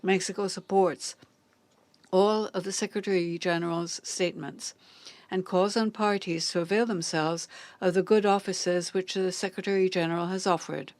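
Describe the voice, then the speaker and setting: A woman simultaneously interpreting formal diplomatic speeches, measured and deliberate, pausing on hesitant fillers. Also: on the low side, steady tone, a little mellow, no room sound. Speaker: conference interpreter.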